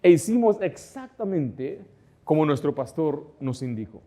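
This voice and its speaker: A man's voice: fairly high pitch, very animated, measured pace, warm tone. A middle-aged man pastor preaching a sermon in church, asking the congregation rhetorical questions and acting out quoted conversations.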